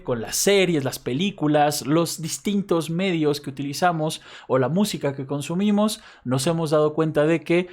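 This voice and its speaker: Mexico City professor lecturing, fairly high voice. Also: male voice. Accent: Mexico City Spanish. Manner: explanatory, checks in often with "right?" tag questions. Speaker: university professor. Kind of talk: recorded class lecture.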